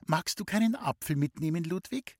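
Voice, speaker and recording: A man doing a tearful, shrill teenage sister. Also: lively intonation, normal speed, husky, no room sound, studio quality. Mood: sweet. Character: young woman, teenage sister, tearful and touchy.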